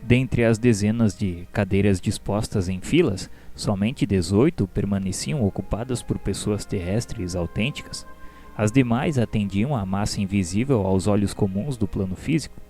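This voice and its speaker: A man with a Brazilian accent playing an earnest, curious spirit pupil who narrates a radio drama in a measured, formal, solemn way. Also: lowish voice, mellow, close to an everyday voice. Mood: earnest, reverent. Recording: music behind the voice.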